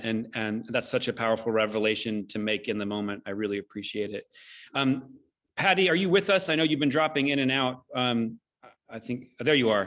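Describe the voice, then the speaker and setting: A man hosting an online discussion, speaking in a halting, reflective and appreciative way as he moderates. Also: medium pitch, fairly bright tone. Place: online video call.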